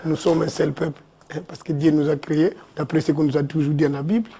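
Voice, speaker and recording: A man answering an interview question haltingly, with many pauses and fillers. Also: fairly high pitch, level tone, creaky, mellow, husky.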